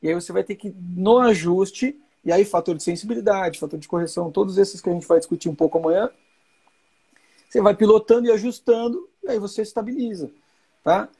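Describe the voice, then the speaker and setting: Husky high-voiced man explaining warmly. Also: brisk. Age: 40s. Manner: reassuring, explanatory, repeats key points. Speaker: host. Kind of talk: casual live chat.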